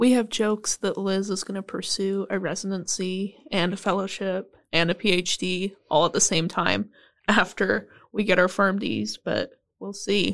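Vocal fry runs through this woman's medium-pitched voice, which has fairly even intonation. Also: moderate pace. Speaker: pharmacy student podcast host. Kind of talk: interview.

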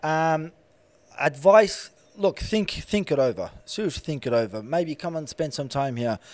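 A man with an Australian accent speaks at a moderate pace with a fairly high voice and lively intonation in a very clean recording with a silent background. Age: 50s. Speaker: real estate client advisory manager. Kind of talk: casual interview chat. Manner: animated.

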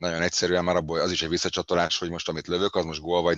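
Very fast and very deep, a man's low voice has a bright, sharp tone in a dry, close sound with no echo. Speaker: diplomat and former water polo player. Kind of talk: interview.

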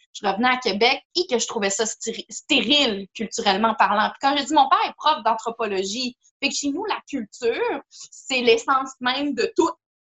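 At a moderate pace, a woman speaks in an animated tone, her high voice full of lively intonation. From Quebec City, Quebec. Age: 30s. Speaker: entrepreneur. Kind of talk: casual chat.

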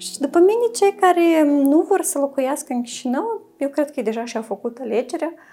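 With music in the background, a woman speaks at a moderate pace, her pitch swinging very widely. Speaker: urban anthropologist and tour guide. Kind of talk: casual interview.

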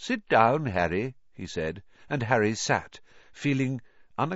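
The intonation is lively, delivered in an unforced reading voice.

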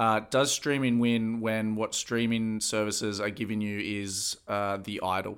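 In an Australian accent, a man speaks at a fairly low pitch with monotone, flat intonation. His pace is fairly slow with hardly any pauses, on a very clean recording with a silent background. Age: 30s. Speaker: podcast host. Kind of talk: casual chat.

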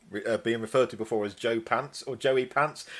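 On a very clean recording with a silent background, a man with an ordinary speaking voice talks at a moderate pace in a medium pitch, his intonation fairly even. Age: 40s. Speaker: horror film podcast co-host. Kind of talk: casual chat.

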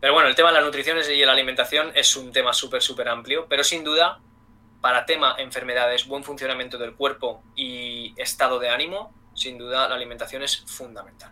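A man with a plain, everyday voice, medium pitch, fairly even intonation and a fairly quick pace. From Spain, Madrid. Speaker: motivational coach and engineer. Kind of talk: interview about healthy habits.

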